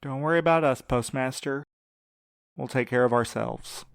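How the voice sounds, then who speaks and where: A man's voice: medium pitch, normal speed, creaky, clear, resonant tone, no room sound, clean studio sound, close to an everyday voice. A man playing a plain-spoken, level-headed courier in an audio drama, casual and wry. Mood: calm, wry. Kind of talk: audio fiction acting.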